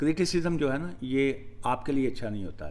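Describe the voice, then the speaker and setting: A man's voice carries a dark, mellow tone. He speaks at a moderate pace with audible room echo. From Punjab. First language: Punjabi (speaking Hindi). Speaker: immigration lawyer. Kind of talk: live Q&A. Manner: casual code-switching Hindi-Urdu, Punjabi, English.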